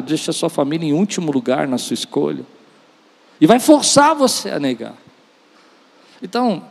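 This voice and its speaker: A male preacher with a fairly high voice gives a charismatic sermon in a hall with long reverb. He addresses his listeners directly and intimately, leans on repeated phrases for emphasis, and acts out bits of dialogue. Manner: emphatic, with repetition and acted-out dialogue.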